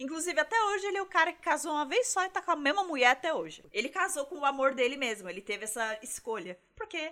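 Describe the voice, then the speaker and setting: A woman talks very fast in a raised, projected voice with hardly any pauses, her high pitch and bright, sharp tone marked by very wide pitch swings and big swings in loudness. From São Paulo, Brazil. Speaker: podcast host. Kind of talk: casual chat. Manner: animated.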